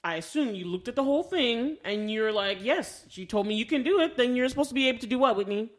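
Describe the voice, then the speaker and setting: A woman's voice: on the high side, animated, quick pace. An American woman co-hosting a podcast, chatting casually and telling stories expressively, often re-enacting conversations as she goes. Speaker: podcast co-host. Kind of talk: casual chat and animated personal storytelling.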